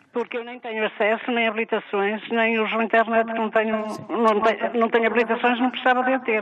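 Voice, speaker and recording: A woman at a very fast pace, monotone and flat, over noticeable background noise. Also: fairly high pitch for a woman. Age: 80s+. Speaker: caller, retired civil servant. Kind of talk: phone-in question. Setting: phone call.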